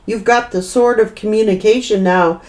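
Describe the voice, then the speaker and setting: A woman's voice: mid-range voice, fairly even intonation, normal speed, a little mellow. A woman giving a tarot reading, blunt and scolding in tone, with mild swearing and emphatic repetition. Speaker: tarot reader.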